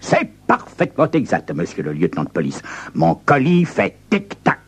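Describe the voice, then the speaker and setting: A man voicing a prim, haughty gentleman who speaks in a formal, smugly calm way. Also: medium pitch, moderate pace, creaky, slightly rough, pitched above the performer's own voice, exaggerated voice. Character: prim, haughty gentleman carrying a ticking box.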